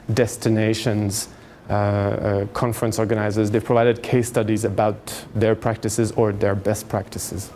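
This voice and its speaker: Male seminar lecturer, forties, raised in Canada. Halting, explanatory delivery at average pitch, over audible background noise. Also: dark tone. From France, grew up in Canada. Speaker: university lecturer. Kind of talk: seminar lecture, informal introduction.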